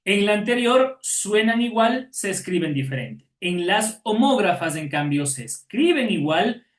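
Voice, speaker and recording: A man's voice: sits high, sing-song, measured pace, reverberant. A man teaching an online class, patiently explaining and checking in with his students after every point.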